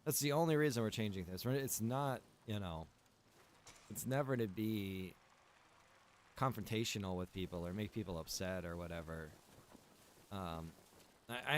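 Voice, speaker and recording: This game streamer and server owner, an adult man past his early twenties, chats casually on his livestream. His voice sits on the low side with a fairly bright tone, and there's slight background noise as he rambles informally, looping back over his own phrases.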